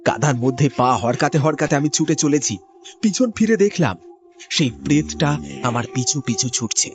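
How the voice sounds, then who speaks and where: A man's voice: on the high side, lively intonation, normal speed, faint music behind. A man narrating a horror cartoon in the first person, in a tense, dramatic storytelling manner. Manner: tense, storytelling delivery with sudden rises.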